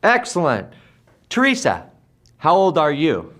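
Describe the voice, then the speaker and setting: A male teacher from the United States leading an English class, speaking slowly and deliberately and repeating words for his students. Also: fairly high pitch, wildly swooping pitch, fairly bright tone. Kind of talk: slow classroom drill.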